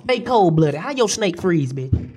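A young man co-hosting a comedy podcast, excitable and profane, his voice jumping high when he gets worked up. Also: unhurried. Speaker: podcast co-host. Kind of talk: casual comedic banter.

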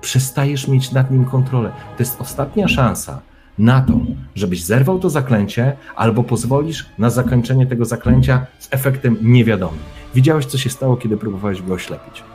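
A man's voice: medium pitch, normal speed, darkish tone, faint music behind. A man running a tabletop role-playing session as game master, narrating immersively in the second person with dramatic build-up.

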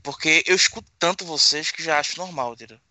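A man's voice: a little high, quick pace, bright, forceful tone. A man chatting casually, emphatic and given to repeating himself. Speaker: tabletop group member. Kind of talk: casual chat.

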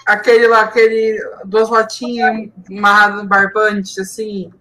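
Co-host: woman, Southeastern Brazilian accent, chatty and laughing, bright tone. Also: mid-range voice, completely flat delivery, a little slow, low-quality recording. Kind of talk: casual live podcast chat.

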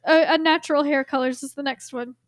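Giggly woman cohost, teasing, kinda high voice. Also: steady tone, fairly quick, no echo, clean studio sound. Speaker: podcast co-host. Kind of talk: casual chat.

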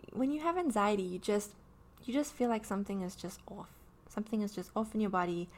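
Woman, early thirties, candid, rambling, lots of fillers, personal vlog. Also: mid-range voice. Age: 30s. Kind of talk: personal talk about anxiety.

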